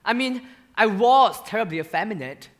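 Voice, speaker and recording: A man's voice: high-pitched, animated, a bit bright. A man playing a hesitant young gay dancer. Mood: confessional. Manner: halting, hesitant, confessional. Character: young gay male dancer confessing his painful past. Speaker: student actor in a stage musical. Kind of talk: stage monologue. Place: theater stage.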